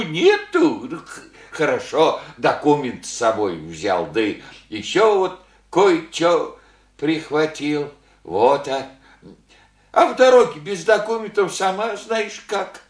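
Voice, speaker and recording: An actor playing an old village widower, gentle and grieving, talking in folksy rural speech with sighs. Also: male voice, fairly high pitch, echoey room. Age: older. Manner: folksy rural speech, slow and rambling, sighing. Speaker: elderly village father. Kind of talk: radio play acting.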